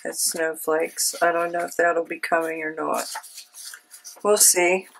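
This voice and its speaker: A woman with a cold hosting a casual craft tutorial, chatty and unhurried, with frequent ums. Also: fairly low pitch, flat delivery, creaky, noisy background. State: has a cold. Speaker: craft channel host. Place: home craft room.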